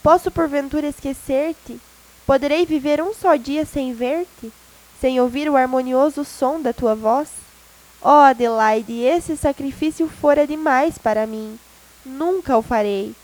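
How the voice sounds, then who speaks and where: A woman reads an ardent young man in anguish, pouring out his love and grief in a storybook reading. The voice sits high and light for the part, with only a slight shift from her own telling. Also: unhurried, darkish tone, low-quality recording.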